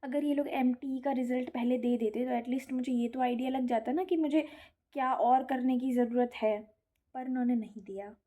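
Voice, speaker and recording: Chatty young woman with a bright voice. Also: sits high, fairly even intonation, normal speed. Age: young adult. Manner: chatty and self-mocking, mixing in English words. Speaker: vlogger. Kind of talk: casual vlog chat.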